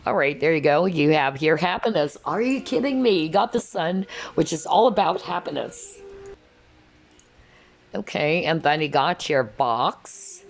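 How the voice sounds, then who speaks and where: A woman giving a casual tarot card reading, rambling and repeating herself, her voice going hoarse from talking for hours. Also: low-pitched, expressive, a little slow, slight background noise. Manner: rambling, repeats "that's what I'm hearing".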